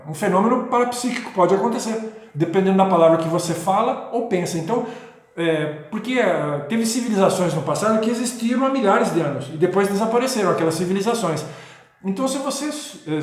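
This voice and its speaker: A man talking in a rambling, casual way with many restarts and checking questions, as host of his own video. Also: high-pitched. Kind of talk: casual spoken talk on spirituality. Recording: very echoey room.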